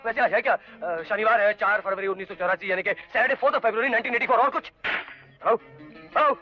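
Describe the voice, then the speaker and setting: A man's voice: sits high, moderate pace, lightly acted. An actor playing a brash, teasing young man who runs a dance school, mixing English into his talk. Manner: breezy, teasing, mixes English into speech. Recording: dull old film soundtrack with music.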